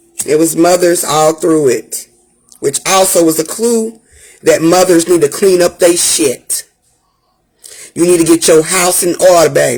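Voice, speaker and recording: A man with a high pitch and an animated tone, at a fairly slow pace with long, frequent pauses and very even loudness. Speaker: spiritual advisor live streamer. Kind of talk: live stream commentary. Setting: live stream.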